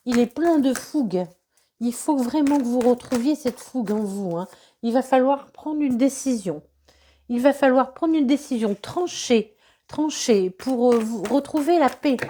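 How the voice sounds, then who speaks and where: A woman's voice: sits high, mellow. Woman with a cold, reading tarot. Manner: hesitant, many fillers and repetitions. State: has a cold. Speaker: tarot reader.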